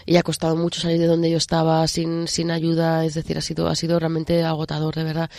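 A woman's voice: sits low, completely flat delivery, fast talker, a little mellow, dry recording, clean studio sound. A woman with an accent from Spain, chatting candidly and emphatically as an interview guest, often repeating herself. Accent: Spanish, from Spain. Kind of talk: candid, chatty personal testimony.

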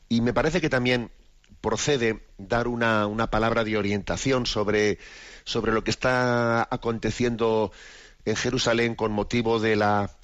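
A man's voice: lowish voice, fairly bright tone, no echo, muffled recording. A man hosting a radio program, giving a spoken commentary full of restarts and tag questions. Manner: halting, many restarts and rhetorical "¿no?". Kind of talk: spoken commentary on faith and current events.

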